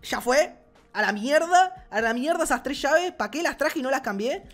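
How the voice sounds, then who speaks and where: A man with an Argentine accent giving excited gameplay commentary as a gaming channel host, swearing and shouting often. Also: very high-pitched, moderate pace, soft background music. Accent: Argentine Spanish.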